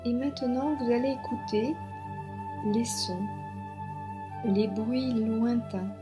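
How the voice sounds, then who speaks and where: A woman guiding a yoga relaxation meditation as an instructor, giving soothing, unhurried instructions with long pauses. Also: on the high side, steady tone. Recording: soft new-age music behind. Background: new-age relaxation music.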